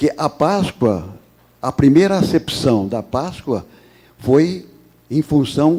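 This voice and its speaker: Speaking very slowly, a man with a fairly high pitch and a dark, mellow tone uses vocal fry and very wide pitch swings. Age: 80s+. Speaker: invited speaker at city council. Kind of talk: public speech. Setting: city council chamber.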